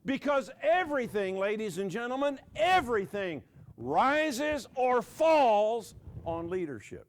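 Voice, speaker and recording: A preacher in his sixties delivers a sermon in a high, animated voice that swings widely in pitch. He speaks slowly and deliberately, letting his voice sink on key words. He stops now and then to joke with the congregation. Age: 60s. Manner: dramatic pauses, voice dropping low on key words; jokes with the audience.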